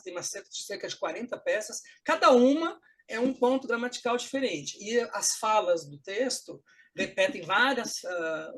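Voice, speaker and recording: A man with a Brazilian Portuguese accent, a guest on a talk show, explaining things in an animated way. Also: sits high, husky. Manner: animated explaining, with lively acted-out quotes. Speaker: guest, English teacher and actor. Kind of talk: casual interview talk.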